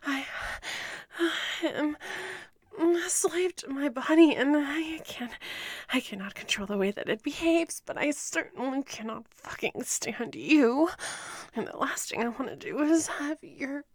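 A woman voicing a proud, resentful young female starship ensign, speaking in a breathy, often whispered voice and stammering as she pleads. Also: high-pitched, animated, measured pace, no echo. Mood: defiant. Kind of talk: audio roleplay acting.

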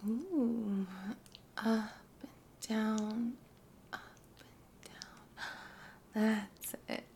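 A woman in a whispered adult ASMR roleplay, speaking close to the microphone in a breathy, coaxing hush broken by soft hums. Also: a little high. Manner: slow, coaxing, intimate delivery.

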